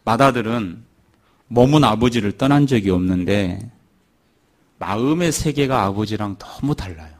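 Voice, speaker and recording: A man's voice: on the low side, expressive, normal speed. A man preaching a sermon, telling a Bible story and acting out the characters' lines. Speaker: pastor.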